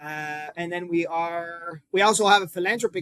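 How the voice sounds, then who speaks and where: A man with a French Canadian accent speaks in a high voice with fairly even intonation. The sound is dry and close, with no echo. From northern Quebec. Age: 30s. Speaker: ultra triathlete and naturopathic practitioner. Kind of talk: casual interview.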